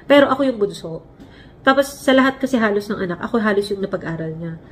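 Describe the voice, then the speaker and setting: A woman in her forties from the Philippines, hosting a casual vlog and telling stories in an animated way, acting out quotes as she goes. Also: mid-range voice, fast, slight background noise. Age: 40s. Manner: animated, acts out quotes, laughs while telling. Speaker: vlog host. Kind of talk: casual storytelling chat. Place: home, Canada.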